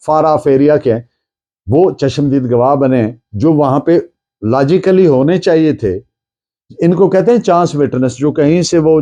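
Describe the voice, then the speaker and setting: A man with a Pakistani accent giving an explanatory law lecture in a didactic way, posing questions and answering them, with deliberate switches into English legal terms. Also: a little high, warm tone.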